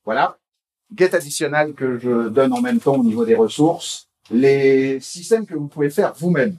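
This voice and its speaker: A man's voice: medium pitch, normal speed, a little mellow. A man giving a technical conference presentation in a rambling, informal way, full of fillers and repeated words. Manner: informal, chatty tone. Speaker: conference speaker.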